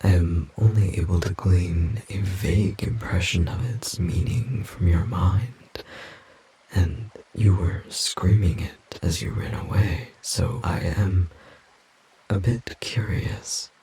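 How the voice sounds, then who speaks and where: A man playing a grave, protective yet naively curious forest demon in an audio roleplay, speaking formally and haltingly with a breathy, gravelly rasp. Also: low voice, warm tone, exaggerated voice, poor audio. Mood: hesitant, curious. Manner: slow, formal, halting, pensive.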